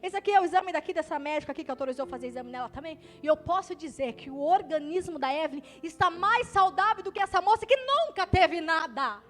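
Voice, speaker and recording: A young adult woman, pregnant, preaching in a church, moving from hushed storytelling to loud fervent preaching. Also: very high voice, animated, fast, few pauses. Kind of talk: testimony sermon.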